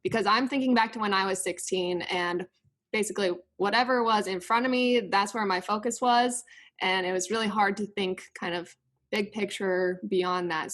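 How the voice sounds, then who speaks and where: A woman hosting a coaching podcast puts careful, full questions to her guests. Her voice sits at an ordinary middle pitch and stays calm and even. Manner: asks long, considered questions. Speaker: podcast host. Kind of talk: interviewing.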